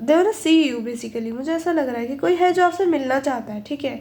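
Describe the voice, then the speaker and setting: A woman doing a casual tarot reading, chatty and switching between Hindi and English, talking slowly because she is unwell. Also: high voice, darkish tone. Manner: chatty, mixing Hindi and English, many fillers. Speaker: tarot reader.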